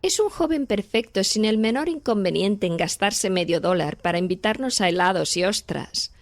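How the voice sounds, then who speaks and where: Lively chatty young woman, voiced by an actress. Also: medium pitch, normal speed, no echo, lightly acted. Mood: playful, proud. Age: young adult.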